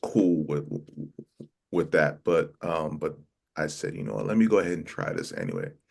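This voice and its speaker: A man with an American accent, very deep and low in pitch, at a moderate pace. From New Jersey. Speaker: college counselor. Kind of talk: interview. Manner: halting.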